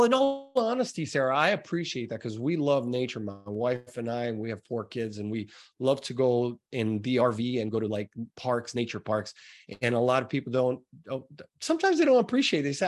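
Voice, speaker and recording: A man's voice: medium pitch, big pitch swings, a little fast. A man with an American accent hosting a podcast, interviewing in a casual, rambling way with repeated words. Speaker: podcast host.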